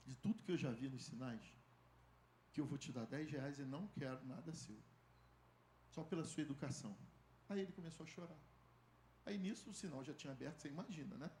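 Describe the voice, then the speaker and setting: High-voiced preacher in an echoey church. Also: male voice, a little fast, long pauses, slight background noise. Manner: storytelling, acts out dialogue, swings from loud to hushed. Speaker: pastor. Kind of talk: sermon.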